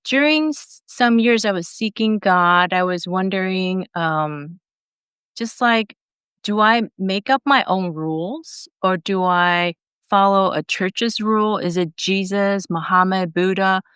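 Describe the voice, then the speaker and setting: A woman's voice: medium pitch, slow pace, fairly bright tone, clear, resonant tone, no room sound, studio quality. A woman in her forties who grew up in Taiwan, telling her life story as a podcast guest in an earnest, reflective way. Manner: earnest and reflective, with fillers and restarts. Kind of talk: conversational interview storytelling.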